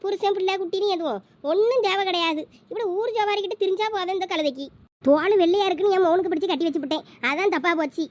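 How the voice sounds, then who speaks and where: A woman's voice: extremely high pitch, quick pace, dry recording. A woman voicing a bitter village mother-in-law who complains about her daughter-in-law. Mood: bitter grumbling. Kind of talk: village comedy skit.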